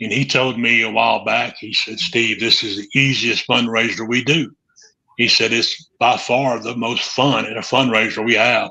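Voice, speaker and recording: A man with a Mississippi accent talks at a moderate pace. His tone is bright and sharp, his intonation flat and monotone. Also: medium pitch for a man. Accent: Southern US (Mississippi). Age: 50s. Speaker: retired pro wrestler and wrestling promoter. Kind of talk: interview.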